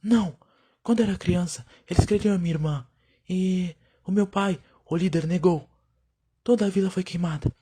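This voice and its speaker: Lady doing stern older tribal chief woman, dark raspy voice, solemn and bossy, audio drama. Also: fairly low pitch, moderate pace. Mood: sorrowful. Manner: solemn, imperious. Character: stern older female tribal leader, devout and fearful.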